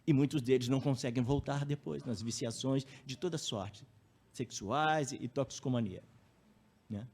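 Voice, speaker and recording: A man's voice: medium pitch, normal speed, a little mellow, husky. Conversational male lecturer acting out stories. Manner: conversational, tag questions, acts out anecdotes. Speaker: lecturer at a spiritist center. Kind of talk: public lecture.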